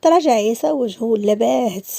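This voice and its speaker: A woman's voice: on the high side, fast talker, vocal fry, dark tone, no room sound. A woman with a Moroccan accent narrating a dramatic story, dipping into whispers at tense moments.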